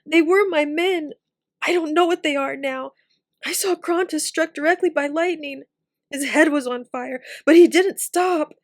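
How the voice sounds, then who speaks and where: A woman's voice: very high-pitched, steady tone, moderate pace, few pauses, pitched above the performer's own voice. A woman voicing a terrified, scorched young man who shrieks and sobs. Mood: sobbing. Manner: shrieking, gasping, near tears.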